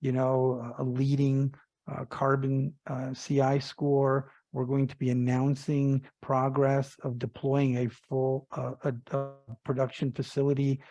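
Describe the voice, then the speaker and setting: A man's voice: mid-range voice, completely flat delivery, measured pace, dark tone, highs cut off. A man speaking as a company executive, answering investor questions on an earnings call and repeating phrases for emphasis.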